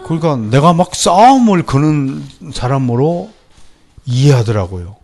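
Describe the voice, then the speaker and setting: A middle-aged male pastor with a Gyeongsang accent, preaching a sermon lecture in a lively, animated way, often mimicking others. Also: medium pitch, unhurried. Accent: Gyeongsang Korean. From Gyeongsang region, Korea. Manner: lively, animated, mimics people in quoted voices.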